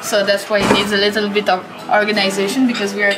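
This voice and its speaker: A woman's voice: medium pitch, monotone, fast talker, heavy background noise. Woman guiding a home tour. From France. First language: French. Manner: friendly, simple non-native English. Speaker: European volunteer. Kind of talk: casual home tour and reflection. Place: shared house indoors. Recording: echoey room, loud music behind.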